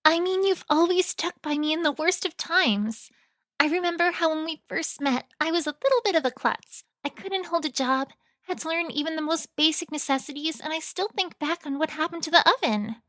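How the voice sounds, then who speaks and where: A high, girlish female voice acted by a woman plays an earnest young sweetheart. She speaks with tender sincerity and open affection, as in a romantic fan-made audio drama. The sound is dry, without room echo. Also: moderate pace, fairly bright tone. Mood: sincere, affectionate.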